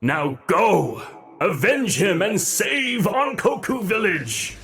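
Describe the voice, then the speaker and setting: A man voicing an ancient cursed sword spirit that speaks in grand, slow proclamations. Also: high voice, very animated, gravelly, a bit bright, faint music behind, pitched above the performer's own voice, full character voice. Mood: commanding.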